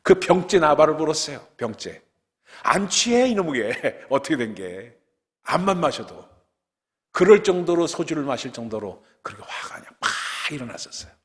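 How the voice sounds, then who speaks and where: A middle-aged man preaching a sermon as pastor, swinging from loud outbursts down to hushed whispers. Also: a little high, sing-song, moderate pace, in a large hall. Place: church sanctuary.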